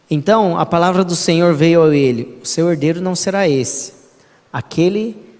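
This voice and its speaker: A man's dark, mellow voice unfolds at a fairly slow pace. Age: 30s. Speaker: missionary preacher. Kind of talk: sermon with audience interaction, quiz and call-and-response. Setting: church with live audience.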